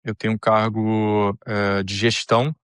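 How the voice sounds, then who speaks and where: A middle-aged man with a Brazilian accent telling his story as an interview guest, measured and often repeating phrases as he searches for words. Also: lowish voice, flat delivery, a bit bright, clear, resonant tone, no echo, studio quality. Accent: Brazilian Portuguese. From Brazil, born in Paraná, grew up in Rio de Janeiro. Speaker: interview guest, technology manager. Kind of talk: conversational personal story.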